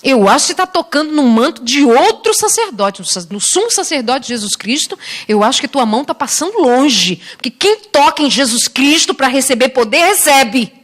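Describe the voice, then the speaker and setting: A woman's voice: sits high, very animated, normal speed, few pauses. A middle-aged woman preacher from Brazil giving a sermon, telling stories expressively and acting out the voices of the people she quotes.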